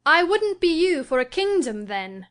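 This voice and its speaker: A woman's voice: high-pitched, lively intonation, moderate pace, a bit bright, pitched above the performer's own voice. A woman reading an audiobook and voicing a proud, imperious young lady of the house who talks with scorn and emphasis. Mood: scornful. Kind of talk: audiobook character voice.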